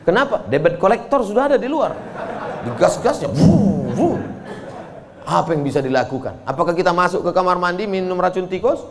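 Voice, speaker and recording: A man's voice: high-pitched, expressive, a little fast, crowd noise. A man preaching a sermon, telling stories dramatically with humorous asides and acting out the voices of the people he quotes.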